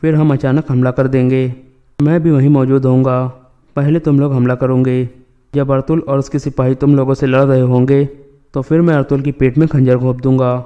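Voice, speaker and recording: A man reading the lines of a scheming, treacherous male tribal lord in a flat, even voice. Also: medium pitch, clear, resonant tone, lo-fi sound, close to an everyday voice.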